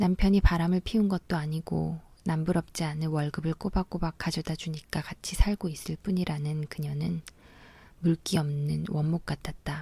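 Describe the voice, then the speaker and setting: Very deep and low in pitch, a woman speaks at a moderate pace with a dark, mellow, calm, soothing tone, somewhat breathy, with fairly even intonation. The sound is dry and close with no echo, in a very clean recording with a silent background. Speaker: book reader, audiobook narrator. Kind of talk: book reading, essay narration with music. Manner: calm, soothing, ASMR-like.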